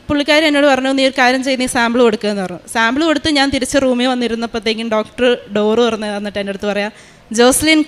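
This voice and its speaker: A young woman tells her personal testimony. She talks quickly in a slightly high voice. Her delivery is earnest and full of fillers and restarts. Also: a bit bright. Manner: earnest storytelling with many fillers. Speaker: testimony giver.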